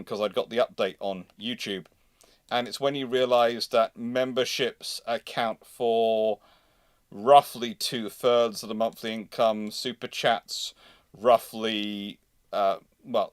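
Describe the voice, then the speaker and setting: A man hosting a casual live question-and-answer stream, speaking haltingly, often repeating phrases and interrupting himself. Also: mid-range voice, no room sound, clean studio sound. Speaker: livestream host.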